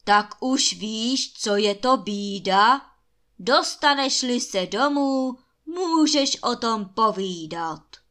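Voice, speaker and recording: A huge, mocking male giant from a fairy-tale storybook roars slowly, dragging out every threat, voiced by a woman reading the tale. The tone stays bright and sharp under the shouting. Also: fairly high pitch, lively intonation. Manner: roaring, slow and drawn out.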